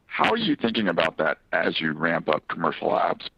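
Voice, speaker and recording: A man's voice: low voice, huge pitch swings, fairly quick, creaky, slightly rough, no room sound. A man working as a financial analyst, asking questions informally on an earnings call with tentative, roundabout phrasing. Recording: dull lo-fi phone conference audio.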